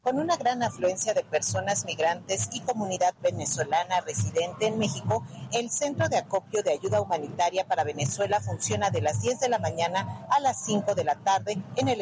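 A man's voice: high voice, lively intonation, normal speed, over music, low-quality recording. A man filing a radio news report, reading steadily and formally.

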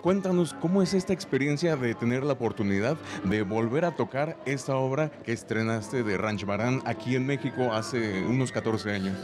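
A man hosts a broadcast interview, asking polite questions and sometimes searching for words. His voice is mid-pitched and plain. Orchestral music plays clearly behind him. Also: moderate pace, hardly any pauses. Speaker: radio host.

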